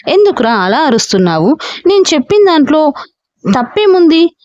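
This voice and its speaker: A woman's voice: high voice, a little mellow, no echo, muffled recording. A woman voicing an angry middle-aged mother who scolds her son in a raised, emotional voice. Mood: reproachful.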